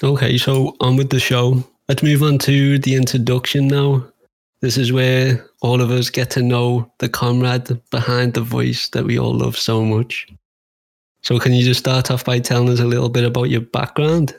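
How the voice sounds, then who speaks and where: A man's voice: medium pitch, level tone, moderate pace, creaky, no echo. A man hosting an interview podcast, casual and enthusiastic, heaping praise on his guest. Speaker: podcast host.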